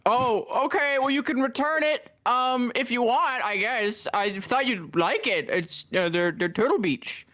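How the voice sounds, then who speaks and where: Woman as a high-pitched, awkward, chatty seller. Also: a little slow, few pauses, fairly bright tone. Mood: deflated, apologetic. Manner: hesitant, rambling, casual. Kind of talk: improvised comedy fandub acting.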